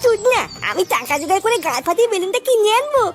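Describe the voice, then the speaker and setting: A cheeky, insistent little boy from a comedy cartoon, performed by a woman. The pitched-up voice is extremely high and squeaky, with a coarse, pestering delivery. Faint music runs underneath. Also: big pitch swings, fast talker. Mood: bossy. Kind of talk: comic cartoon dialogue.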